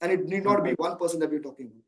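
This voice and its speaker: A man's voice: a little high, racing, a bit bright, poor audio. An Indian-accented man in his thirties, a company chief executive answering questions on an earnings call at length, emphatically, with rhetorical questions.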